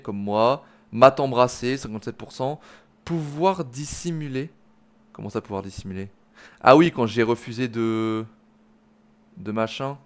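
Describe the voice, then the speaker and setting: A man, angry, swearing and slangy, commenting on a video game he plays and talking to his viewers. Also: mid-range voice. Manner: swearing, slangy, talks to viewers as "les gars". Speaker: gaming video host. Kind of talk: let's play commentary.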